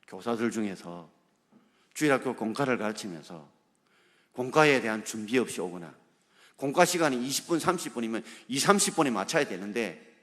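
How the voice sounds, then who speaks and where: A man preaches with a lively, swooping delivery, pressing his points with questions he throws out to the congregation. His voice carries through a church sanctuary with a long, ringing reverb. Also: fairly low pitch. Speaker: pastor. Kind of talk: sermon.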